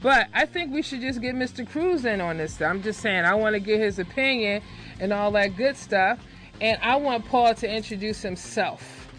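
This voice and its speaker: A woman's voice: medium pitch, normal speed, soft background music, low-quality recording. A woman hosting a radio show from the studio mic, chatty and upbeat, teasing her guest. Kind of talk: casual radio talk. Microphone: studio microphone.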